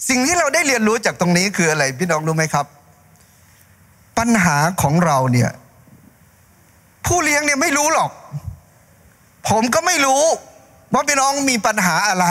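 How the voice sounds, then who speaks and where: A middle-aged man preaches from a church stage with a handheld mic, his voice unusually high and full of lively rises and falls. He talks in an animated way, gesturing as he goes. The sound carries a long reverb from the hall. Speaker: pastor. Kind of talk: sermon.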